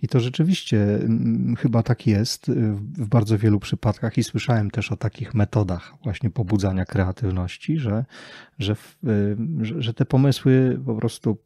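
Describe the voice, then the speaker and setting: A man's voice: lowish voice, moderate pace, creaky, warm tone, husky, no echo, studio quality. A man hosting a conversational interview, phrasing his thoughts in a reflective, tentative way. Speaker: podcast host, interviewer.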